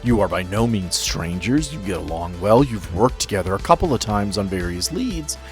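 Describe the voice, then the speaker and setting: A man's voice: lowish voice, animated, moderate pace, faint music behind. A man narrating as game master on a tabletop roleplay podcast, talking conversationally and addressing his players directly.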